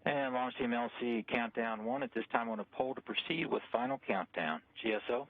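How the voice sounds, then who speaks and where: A man's voice: medium pitch, brisk. A man serving as launch conductor, calling formal countdown checks over a radio communications loop in a clipped, procedural manner. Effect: radio comm loop transmission. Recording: dry, tinny radio channel.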